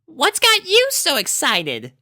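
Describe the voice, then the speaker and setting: A man's voice: very high voice, wildly swooping pitch, slow pace, bright, forceful tone, voice pushed up, full character voice. A man voicing a curious, impatient young filly friend with a plaintive, pestering manner in a storybook reading. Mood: impatient curiosity.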